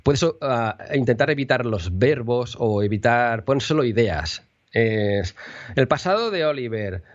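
Un locutor de radio español explica con entonación muy viva y cambiante, algo afónico. Su voz suena seca y cercana, sin eco de sala. La grabación es algo apagada, de banda estrecha. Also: male voice, medium pitch, unhurried, dry recording, dull audio. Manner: lively, teaching with mock intonation examples. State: losing his voice, sipping water. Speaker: radio broadcaster and voice teacher. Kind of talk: conversational interview.

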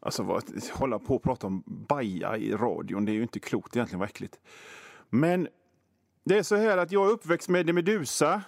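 A man's voice: medium pitch, lively intonation, creaky, dry recording, clean studio sound. A man hosting a radio show, rambling through a self-mocking comic monologue. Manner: rambling, self-mocking, many fillers and restarts. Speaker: radio host.

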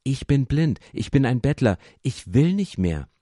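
A man's voice: mid-range voice, very animated, unhurried, dry recording, studio quality, pitched above the performer's own voice. A man voicing a blind beggar crying for mercy. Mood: defiant. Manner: loud pleading cries.

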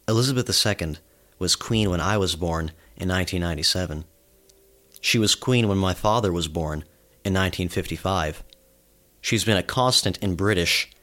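Deep-voiced young man reading commentary. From Canada. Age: 20s. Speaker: reporter. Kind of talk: scripted radio commentary.

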